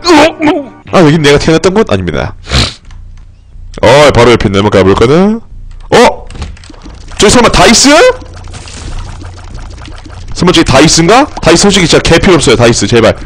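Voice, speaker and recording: A young man commenting on his game play for viewers, joking, swearing and breaking into sudden shouts. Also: fairly high pitch, a little fast, long pauses. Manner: excitable, swearing, jokey outbursts and shouts. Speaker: game streamer.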